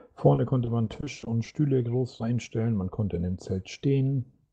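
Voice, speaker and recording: The voice has a dark, mellow tone and is somewhat breathy. The sound is dry and close with no echo. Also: man. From Schleswig-Holstein, northern Germany (near Rendsburg). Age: 40s. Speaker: podcast co-host, electrician's helper. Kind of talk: casual chat.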